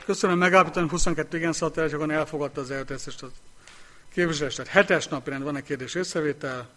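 Male council chair, slightly high voice, brisk procedural delivery. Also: fairly even intonation, bright, forceful tone, soft background music. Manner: brisk procedural, repetitive vote announcements. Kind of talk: formal council meeting chairing.

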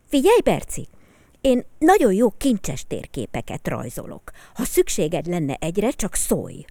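A woman voicing a small kindergarten boy in a storybook, speaking in a high, earnest child's voice. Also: wildly swooping pitch, warm tone, no room sound, full character voice. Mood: eager. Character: small kindergarten boy, sad then hopeful.

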